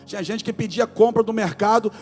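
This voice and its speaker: A Brazilian man in his forties with a Rio de Janeiro accent preaches from the church pulpit, his high voice rising and falling between quiet asides and loud exclamations. Soft music plays faintly behind him. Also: fairly even intonation, fairly quick, big-room sound. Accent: Brazilian Portuguese, Rio de Janeiro state. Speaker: pastor. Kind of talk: sermon. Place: church sanctuary.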